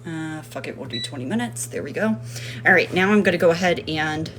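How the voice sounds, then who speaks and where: A woman's voice: low voice, animated, a little fast, fairly bright tone, a little hiss or hum. A woman hosting a casual home cooking video, chatty and rambling, with playful sing-song nonsense rhymes. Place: home kitchen.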